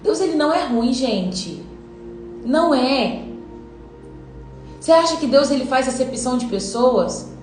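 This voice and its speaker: A woman preaches in an earnest devotional teaching voice, pitched a little high. She acts out quoted voices as she goes. The room is echoey, with soft music underneath. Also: expressive, a little slow, pauses often.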